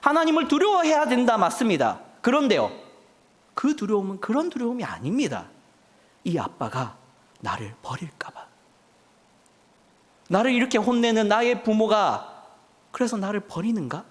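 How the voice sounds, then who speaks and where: Lively Korean preacher with rhetorical questions. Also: male voice, high voice, moderate pace, long reverb tail. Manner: rhetorical questions, acts out a child crying for mom. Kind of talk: sermon.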